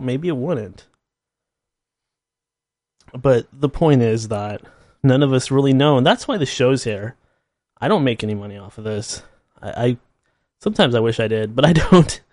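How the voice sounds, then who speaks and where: A man's voice: medium pitch, darkish tone, no echo, clean studio sound. Rambling, self-mocking man in his thirties. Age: 30s. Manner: rambling, self-deprecating, laughs at himself. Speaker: podcast host. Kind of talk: casual solo monologue.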